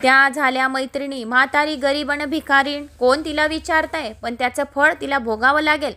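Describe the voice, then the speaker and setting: A woman playing an indignant old beggar woman in a devotional storybook tale, scolding and lecturing in a high, bright voice. A disguised goddess, bitter at being forgotten. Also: fairly even intonation, moderate pace.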